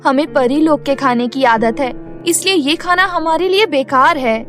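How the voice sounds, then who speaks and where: A woman's voice: sits high, moderate pace, faint music behind, close to an everyday voice. A woman playing an anxious, polite female fairy in a cartoon story. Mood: polite, worried.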